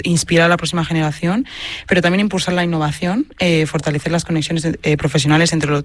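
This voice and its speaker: A woman's voice: lowish voice, no echo. Earnest woman guest, dry sound. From Spain, Madrid. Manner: earnest, promotional, explains at length. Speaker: guest, founder of a sports marketing agency. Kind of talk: radio interview.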